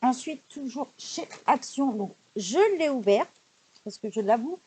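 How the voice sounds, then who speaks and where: A woman presenting her recent craft purchases in a casual, chatty haul video, often pausing on fillers. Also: a little high, expressive, a little mellow, slight background noise. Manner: chatty, many hesitation fillers and "donc voilà". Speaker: craft YouTuber showing purchases.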